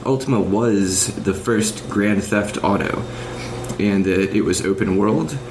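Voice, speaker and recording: A man talking casually as a podcast panelist about games, explaining things in measured, articulate phrases. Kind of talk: casual video game discussion. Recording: noisy low-quality online voice chat.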